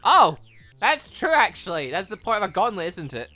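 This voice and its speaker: An excitable gaming YouTuber reading a visual novel aloud and commenting on it in an animated, exclaiming manner. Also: medium pitch, normal speed. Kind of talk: let's play commentary mixed with reading dialogue aloud. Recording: music behind the voice. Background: video game music.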